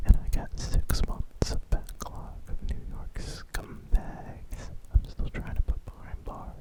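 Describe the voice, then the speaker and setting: A whisper at a fairly slow pace, over noticeable background noise. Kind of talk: ASMR script reading. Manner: whispered.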